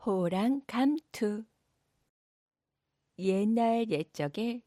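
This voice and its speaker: Woman storyteller for children's folktales, gentle and measured, dry studio sound. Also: mid-range voice, dry recording. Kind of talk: storybook narration.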